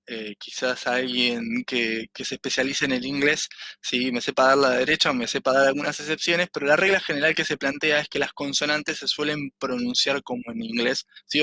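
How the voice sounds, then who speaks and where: A man with an Argentine Spanish accent teaches an online language class. His voice is bright and forward, and he keeps tagging his phrases with a quick question to the students. A faint hum sits under the recording. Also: medium pitch. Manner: checks in with a constant tag question. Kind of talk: online lecture.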